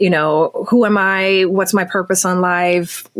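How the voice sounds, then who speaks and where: With ordinary pitch variation, the voice moves at a moderate pace. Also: woman. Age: 40s. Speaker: portrait photographer. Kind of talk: interview conversation. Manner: animated.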